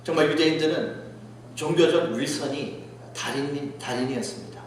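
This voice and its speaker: A man's voice: fairly high pitch, moderate pace, distant mic, slight background noise. Man preaching in an echoey hall. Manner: dramatic, acts out quoted speech in a raised voice. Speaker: pastor. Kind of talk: sermon. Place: church sanctuary.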